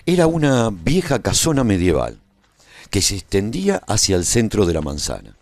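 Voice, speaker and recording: A man's voice: low voice, darkish tone, a little hiss or hum. A man playing a battle-seasoned adventurer, narrating his story in a scripted, dramatic first-person radio serial style.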